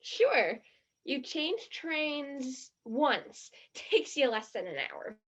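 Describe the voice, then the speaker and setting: A woman's voice: high voice, big pitch swings, very slow, fairly bright tone, heavily acted. An actress in a one-act stage play playing an impulsive, eager teenage Jewish girl from New Jersey, gushing and earnest.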